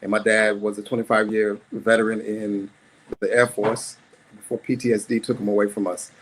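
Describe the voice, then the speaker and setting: A man's voice: lowish voice, level tone, moderate pace, a little hiss or hum, poor audio. A middle-aged man performing spoken-word storytelling at an open mic, dramatic, with rhythmic repetition.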